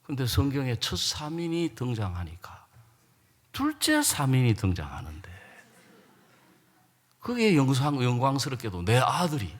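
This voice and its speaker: Animated middle-aged male pastor in a hall. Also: medium pitch, a little slow, long pauses. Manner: animated storytelling, acting out quarrels. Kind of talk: sermon. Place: large church or camp hall. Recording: reverberant hall.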